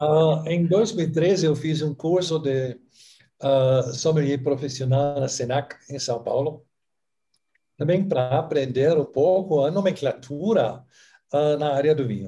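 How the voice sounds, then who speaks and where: A man with a German accent speaks at a fairly slow pace in a somewhat breathy, dark, mellow tone, fairly high in pitch with ordinary pitch variation. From Germany. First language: German (speaking Portuguese). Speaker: wine importer. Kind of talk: interview. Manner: halting.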